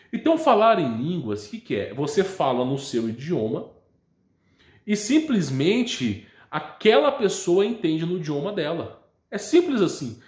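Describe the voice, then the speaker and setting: Lively, rambling Brazilian man in an echoey room. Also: a little high. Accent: Brazilian Portuguese. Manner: rambling, restarts words, ends phrases with a checking "tá?". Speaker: channel host answering viewer questions. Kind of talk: casual religious talk.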